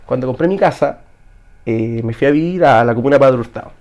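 Hombre chileno de unos treinta años, invitado que cuenta su historia con emoción, tono medio. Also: male voice, medium pitch, brisk, darkish tone. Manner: emotional storytelling, frequent restarts. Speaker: guest. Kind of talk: casual interview, personal story.

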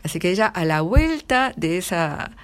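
A woman's voice: on the low side, big pitch swings, moderate pace. A middle-aged woman with an Argentine Spanish accent, chatting as an interview guest, with many restarts and frequent laughter. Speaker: literary translator, guest. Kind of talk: casual interview answers.

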